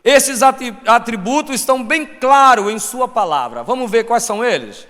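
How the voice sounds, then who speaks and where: A man preaching a sermon as pastor, with a Brazilian Portuguese accent, swinging between shouted points and soft asides. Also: very high-pitched, expressive, moderate pace. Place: church hall. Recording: long church reverb.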